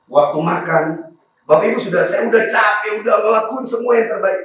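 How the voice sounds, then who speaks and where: A raspy-voiced male pastor, preaching fervently to a congregation. His voice sits slightly high. The sound is very echoey, picked up from across a church hall. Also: a little fast, fairly bright tone, far from the mic. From Maluku. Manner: fervent preaching with frequent congregation address and hallelujahs. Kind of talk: sermon.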